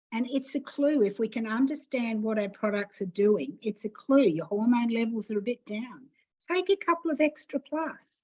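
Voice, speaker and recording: In an Australian accent, the speaker uses lively intonation at a moderate pace, with a dry, close sound with no echo. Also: woman, fairly high pitch for a woman. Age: 70s. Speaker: nutrition and skincare consultant. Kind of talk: interview.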